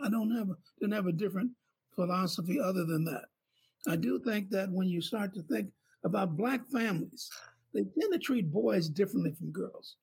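A man hosting a panel discussion, his voice rather high and husky. He talks haltingly, stops and restarts his sentences and fills the gaps with "uh". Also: low-quality recording. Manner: halting, with many fillers and restarts. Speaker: physician and show host.

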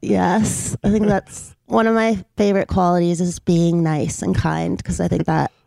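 A woman hosting a podcast, talking with a guest in a sweet, soft-spoken way. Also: on the low side, little pitch movement, a little slow, gravelly, dry recording. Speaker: podcast host. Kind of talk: casual interview chat.

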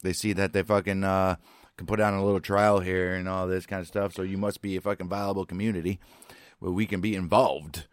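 Man, deep voice, dry close recording, casual profane co-host chat, quick quips. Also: little pitch movement. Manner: profane, chiming in with quips and echoes. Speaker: podcast co-host. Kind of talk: casual episode recap chat.

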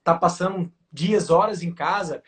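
A man's voice: sits high, unhurried. A man chatting casually as co-host, with colloquial slang fillers. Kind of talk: casual chat.

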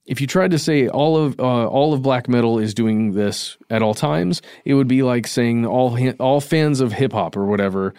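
A man's voice: mid-range voice, moderate pace, hardly any pauses, a little mellow, clean tone, no room sound, studio quality. A man co-hosting a podcast, talking things through in a casual, thoughtful way and qualifying his points. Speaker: podcast co-host. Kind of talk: casual discussion.

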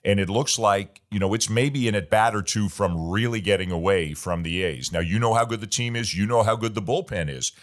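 A man's voice: fairly low pitch, brisk, hardly any pauses. A man hosting a sports talk show, framing his questions with detailed game recaps. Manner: sets up long questions with recaps. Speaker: podcast host. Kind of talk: interview questions.

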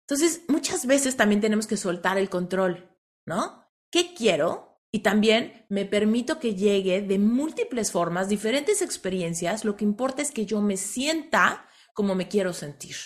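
Woman, Mexican accent, coaching host, animated storytelling, mid-pitched. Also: a little slow. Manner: animated storyteller, tags lines with "¿no?". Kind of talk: motivational coaching talk.

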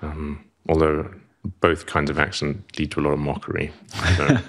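A middle-aged man from Zimbabwe with a Zimbabwean accent softened by years in England, speaking as a podcast guest in a wry, self-deprecating way with clipped vowels. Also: a bass voice, flat delivery, measured pace. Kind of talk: casual podcast conversation.

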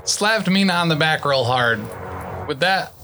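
Playful higher-voiced player. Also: male voice, lively intonation, measured pace, sharp tone, slight background noise. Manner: playful, asks hypotheticals. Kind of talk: casual tabletop play.

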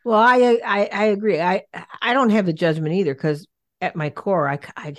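A woman hosting a podcast, speaking in an animated, halting way with many restarts and stammers. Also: medium pitch, no room sound. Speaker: podcast host. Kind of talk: casual conversation.

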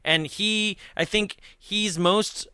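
Bright-voiced rambling young man. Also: high-pitched, steady tone, slow pace, clean tone, no echo, clean studio sound. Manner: rambling, laughs often, many fillers. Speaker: podcast co-host. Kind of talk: casual movie chat.

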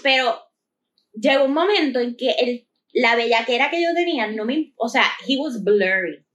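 A woman co-hosting a podcast, speaking bluntly and crudely in casual chat with frequent loud bursts of laughter. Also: fairly high pitch, lively intonation, moderate pace, lo-fi sound. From Puerto Rico. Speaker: podcast co-host.

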